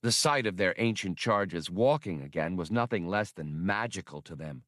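Guy reading a sci-fi audiobook, low voice, dry close sound, measured but expressive. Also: no echo. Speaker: audiobook narrator. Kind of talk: scripted dramatic narration of a science fiction adventure.

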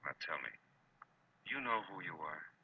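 An actor playing a wry, world-weary private detective in a 1940s radio drama, talking in clipped, tough lines. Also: male voice, low voice, animated, moderate pace. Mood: calm, soothing. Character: hard-boiled, wry male private detective narrating his case. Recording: muffled, noisy old radio broadcast.

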